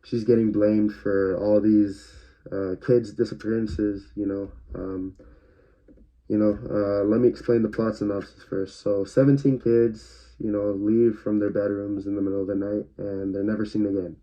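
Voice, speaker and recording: Man, film reviewer, casual talk, hesitant, stutters, fillers, lowish voice, muffled lo-fi sound. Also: level tone, normal speed, dark tone. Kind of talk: casual spoken movie review. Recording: dull lo-fi recording.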